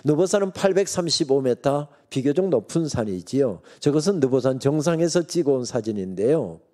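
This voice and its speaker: A man's voice: mid-range voice, expressive, brisk, dark tone. A middle-aged man preaching a revival sermon in a church, telling the story with humor and acting out the characters' lines. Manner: storytelling preacher who acts out God's and Moses' lines with humor. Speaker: guest pastor preaching at a revival meeting. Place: church sanctuary.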